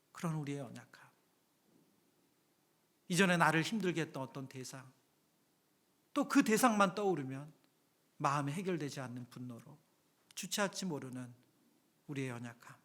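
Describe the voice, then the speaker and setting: A man preaching a Friday evening sermon in a church sanctuary, his voice pitched high and ringing bright. He keeps it conversational and acts out everyday scenes. He swings from loud exclamations down to hushed whispers. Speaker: pastor.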